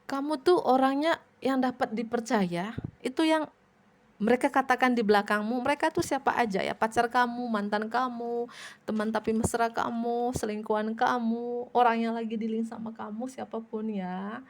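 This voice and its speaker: Warm-toned woman reading tarot. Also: a little high, steady tone, normal speed. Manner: addresses viewer directly, repeats tag "ya" often. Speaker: tarot reader. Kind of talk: tarot card reading for viewers.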